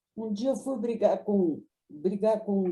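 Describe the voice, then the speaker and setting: Somewhat breathy, the woman's voice has a dark, mellow tone. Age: 90s. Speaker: playwright. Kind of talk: casual chat.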